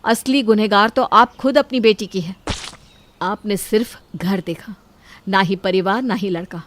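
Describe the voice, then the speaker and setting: A woman's voice: mid-range voice, a little slow. A woman voicing characters in an audio story, speaking in a lamenting, scolding way. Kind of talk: dramatic storytelling dialogue.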